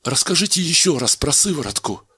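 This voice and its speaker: A man voicing a frightened male test subject who pleads and protests, with a husky voice, read as a storybook. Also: fairly high pitch, big pitch swings, fairly quick, bright, forceful tone, no room sound, studio quality, voice pushed up, heavily acted. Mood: eager. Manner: anxious, insistent, rising to cries.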